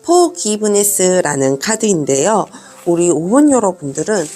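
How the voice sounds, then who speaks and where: A woman giving a weekly tarot reading to her viewers, talking in a gentle, reassuring way and addressing them as a group. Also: on the low side, big pitch swings, a little slow. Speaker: tarot reader. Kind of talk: soft-spoken tarot reading. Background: faint background music.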